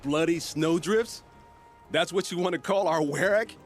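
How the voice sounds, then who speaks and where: A man's voice: on the high side, a little slow, lightly acted. A man playing an outspoken, talkative young tribal hunter in a video game cutscene. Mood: indignant. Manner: emphatic, outspoken. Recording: music behind the voice.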